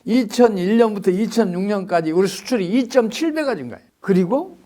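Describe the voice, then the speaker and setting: A man with a high voice answers interview questions as an economics expert. He talks in an emphatic, lecturing way, throwing out rhetorical questions. His delivery swings widely in pitch. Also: animated, a little fast, mellow.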